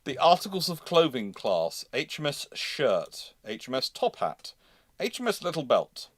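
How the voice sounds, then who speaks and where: A man's voice: a little high, huge pitch swings, no echo. Man hosting a history livestream, close and dry. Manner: halting, often repeats and rephrases words. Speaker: host of a naval history livestream. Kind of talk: live question-and-answer discussion.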